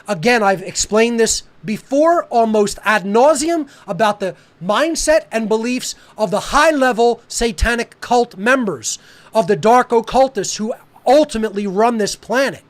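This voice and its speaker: A man hosting a podcast, talking alone in an emphatic, denouncing monologue that slows down to stress key words. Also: very high voice. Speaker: podcast host.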